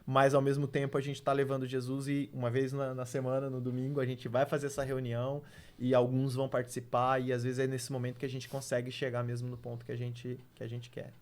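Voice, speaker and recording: A man's voice: medium pitch, completely flat delivery, fast talker. A man who is a missionary, talking as a guest on a podcast and telling faith stories in an earnest, emphatic way. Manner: earnest, testimony-style storytelling with frequent "né" and "cara"; emphatic, preacher-like when making his point. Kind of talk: casual podcast conversation.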